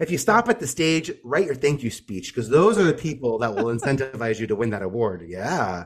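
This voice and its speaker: With a New York accent, a man talks at a fairly quick pace with hardly any pauses, his somewhat breathy, medium-pitched voice making very wide pitch swings. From Staten Island, New York. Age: 40s. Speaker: media brand strategist. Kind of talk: interview.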